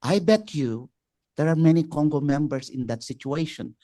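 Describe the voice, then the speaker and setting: A Filipino man whose first language is Ilocano moderates a conference panel, speaking haltingly with lots of fillers and restarts in a Filipino accent. His voice is fairly high-pitched with a dark tone, recorded at studio quality with no echo.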